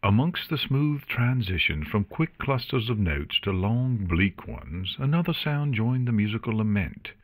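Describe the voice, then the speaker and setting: A man reading fantasy fiction as an audiobook narrator in an expressive, scripted storytelling style. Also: lowish voice, measured pace, hardly any pauses.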